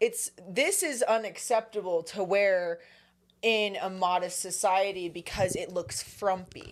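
A woman speaks in an unremarkable speaking voice at a medium pitch. Her pace is fairly slow and her intonation fairly even. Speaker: podcast host. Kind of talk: casual chat.

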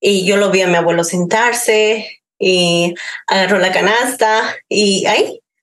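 This woman has a plain, everyday voice at a medium pitch, and her intonation is fairly even. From Bolivia. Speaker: podcast guest with gift of intuition. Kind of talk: casual interview chat.

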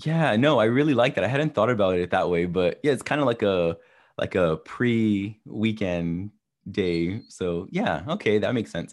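This man has a normal speaking voice with a fairly low pitch. He talks at a moderate pace with lively intonation. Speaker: podcast host. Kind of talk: interview conversation.

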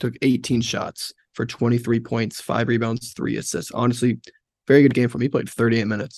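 A man speaks at medium pitch. His voice has vocal fry. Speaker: sports podcast co-host. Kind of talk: casual chat.

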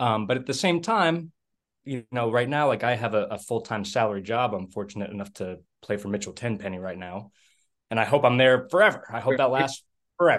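A man speaks at a fairly quick pace with lively intonation, in an ordinary speaking voice of medium pitch. The background is quiet. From New England, US (west of Boston). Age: 30s. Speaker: professional drummer. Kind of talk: casual interview chat.

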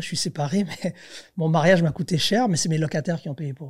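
A man's high pitch with ordinary pitch variation. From Montreal, Quebec. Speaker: entrepreneur and real estate investor. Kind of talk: casual chat.

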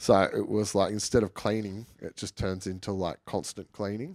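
This man speaks with an Australian accent. His voice sits at a fairly low pitch. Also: dry, close sound with no echo. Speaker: podcast host. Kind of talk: casual chat.

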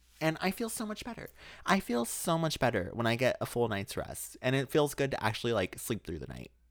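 A man talks with very wide pitch swings. The background is silent, and the recording is very clean. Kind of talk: casual chat.

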